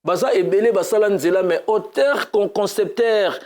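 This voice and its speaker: A man from Kinshasa, a music animateur talking casually in an interview, mixing Lingala and French in a lively way. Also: sits high, normal speed. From Congo (Kinshasa). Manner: mixes Lingala and French, lively, bursts into chanted cries.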